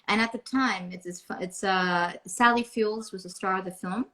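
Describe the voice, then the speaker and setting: A woman's voice: medium pitch, steady tone, moderate pace, sharp tone. An American woman from Beverly Hills, an actress chatting as a guest in an interview, rambling with many restarts. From United States. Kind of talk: casual interview chat.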